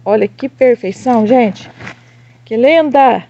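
Brazilian woman, gushing plant vlog, gravelly fry, dull dry lo-fi sound. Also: a little high, slow, warm tone, a little hiss or hum. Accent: Brazilian Portuguese. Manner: gushing, addresses viewers as "gente", coos over plants with diminutives. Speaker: succulent grower showing her plants. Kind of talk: casual show-and-tell vlog.

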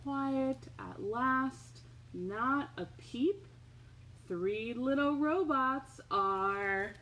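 A woman hosting a storytime for small children, reading and chatting in an expressive, sing-song manner, recorded indoors at home. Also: high-pitched, very slow. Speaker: children's librarian, storytime host. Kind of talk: children's storytime read-aloud and chat. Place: indoors, home living room. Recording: home recording with faint background noise.

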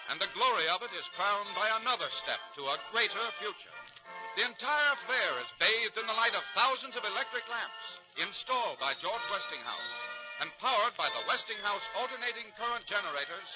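A man with an American accent giving grand, emphatic, dramatic scripted narration in 1940s radio style. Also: high-pitched. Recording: muffled 1940s radio recording.

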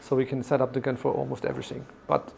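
A man's voice: medium pitch, completely flat delivery, fast talker, creaky, a little mellow, a little hiss or hum. A man in his forties with a German accent, guiding visitors through a workshop and explaining the steps with many fillers and restarts. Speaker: factory guide. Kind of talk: guided factory tour explanation. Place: large workshop hall indoors.

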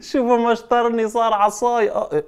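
A man's voice: very high-pitched, flat delivery, fast talker, smooth. A man, presenting magic tricks to children and leading them in call-and-response. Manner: coaxing, call-and-response with children, playful exclamations. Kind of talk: lively children's show presenting.

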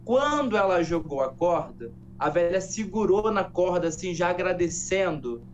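A man with a voice a little higher than most, telling an old folk tale softly and without hurry. The sound is slightly dull, with a faint hum underneath, as in a studio broadcast. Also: animated, moderate pace. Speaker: guest, educator and storyteller.

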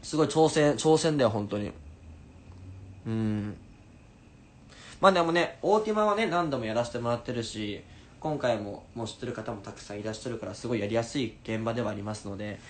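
A man in his twenties chatting casually on a livestream in an animated way, answering viewers as he goes. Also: mid-range voice, brisk. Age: 20s. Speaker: stage actor livestreaming to fans. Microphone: phone at arm's length. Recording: noisy room ambience, phone livestream.

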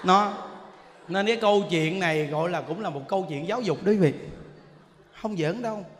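A man's voice: sits high, brisk. A male Buddhist monk with a Southern Vietnamese accent gives a humorous Dharma talk, telling stories with lots of laughter and exclamations. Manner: animated storytelling, frequent laughter and exclamations. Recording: reverberant hall, faint background noise.

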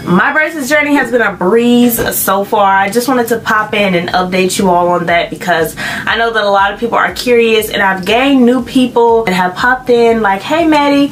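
A woman's voice: a little high, normal speed, slight background noise, low-quality recording. A woman vlogger speaking with braces on, chatting casually to her viewers and calling them "you all" and "honey.". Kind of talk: casual vlog update.

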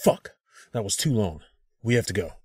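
Audio drama lead: actor as blunt, protective federal agent, deepish raspy male voice, clipped phrasing. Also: sing-song, normal speed, no room sound, clean studio sound, full character voice. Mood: urgent. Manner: terse, curt.

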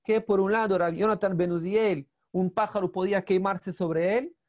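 A man whose first language is Portuguese, a rabbi teaching a storytelling lesson over a video call, who talks haltingly and searches for Spanish words. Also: high voice, steady tone, darkish tone.

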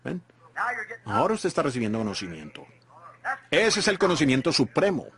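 A man's voice: fairly high pitch, wildly swooping pitch, a little fast, crowd noise. A man in his fifties preaching a sermon emphatically, often asking his listeners if they see his point. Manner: emphatic preaching with rhetorical "¿ven?" asides and repetition.

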